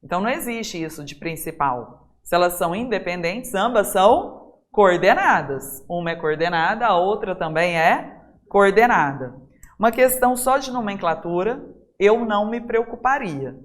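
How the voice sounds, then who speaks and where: Brazilian woman, teacher lecturing an exam-prep class, quizzes students and drags out key words, mid-pitched voice. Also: animated, normal speed. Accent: Brazilian Portuguese. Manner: asks the class questions and answers them herself, stretches key words.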